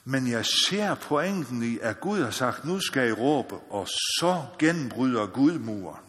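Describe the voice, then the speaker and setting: A man from the Faroe Islands preaches a sermon at a mid pitch. He talks earnestly, keeps checking in with his listeners, and climbs to loud calls. The room gives his voice a long, ringing reverb. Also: expressive. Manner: earnest, repeats "ikke også?", rises to loud exhortation. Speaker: missionary preacher. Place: church or meeting hall.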